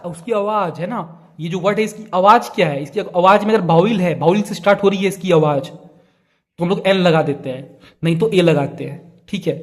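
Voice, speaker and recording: A young man teaching an exam-prep lesson, explaining step by step, often checking in with fillers and putting questions to his students. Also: sits high.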